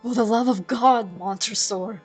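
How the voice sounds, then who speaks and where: A man's voice: sits high, unhurried, a little mellow, soft background music. A woman voicing a giddy drunken nobleman whose manic laughter breaks into pleading.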